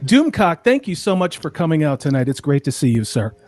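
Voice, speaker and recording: A man's voice: on the high side, big pitch swings, brisk, darkish tone. A man hosting a casual livestream chat, introducing and questioning his guests. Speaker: livestream host. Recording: music playing behind the voice. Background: music.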